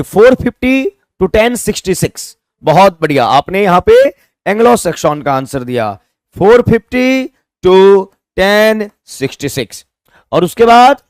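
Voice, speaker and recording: Animated male Hindi-English teacher. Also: high voice, no room sound, clean studio sound. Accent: Indian, Hindi-speaking. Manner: mixes Hindi and English, asks viewers to comment answers; spells words letter by letter. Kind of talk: live online exam-prep class.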